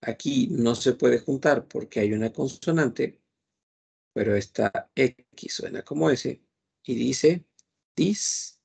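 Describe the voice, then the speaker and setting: A man's voice: mid-range voice, slow, gravelly, darkish tone, breathy edge. A man teaching a French class online, patient and repeating words as he explains.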